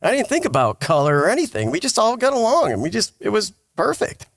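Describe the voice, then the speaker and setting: A man's voice: high voice, wildly swooping pitch, quick pace, gravelly, no echo, clean studio sound. A middle-aged American man casually interviewing a guest as a podcast co-host. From United States, raised up north then moved to the South.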